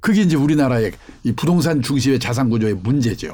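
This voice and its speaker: A man speaks at a very fast pace in a somewhat breathy voice. His pitch makes very wide swings. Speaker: pension and retirement finance expert. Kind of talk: interview.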